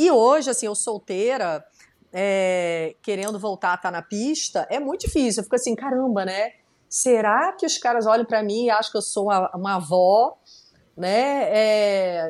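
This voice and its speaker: In a very clean recording with a silent background, a woman uses a normal speaking voice at a fairly high pitch. She talks at a fairly slow pace with lively intonation. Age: 40s. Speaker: style consultant and content creator. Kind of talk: casual chat.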